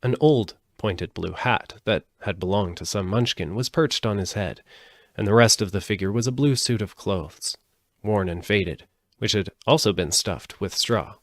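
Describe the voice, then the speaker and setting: A man's voice: lowish voice, normal speed, dry recording. A man narrating a storybook aloud as a live audiobook reader.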